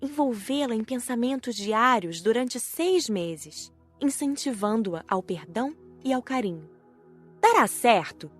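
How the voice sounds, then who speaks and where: A woman narrating a scripted audiobook story in the first person, with measured, careful enunciation. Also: a little high, animated, faint music behind.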